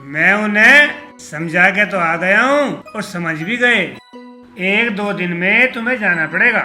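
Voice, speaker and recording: An actor playing a fussy village priest who arranges marriages, exasperated by the deaf family, in a comedy film. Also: male voice, sits high, lively intonation, unhurried, pushed and bright, soft background music, heavily acted. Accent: Haryanvi. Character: fretful village priest matchmaker (Pandit ji).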